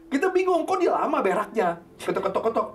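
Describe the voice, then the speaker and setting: A man hosting a podcast, telling a story in casual chat and acting out his friends in sudden high voices. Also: moderate pace. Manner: animated, jumps up high when acting out friends.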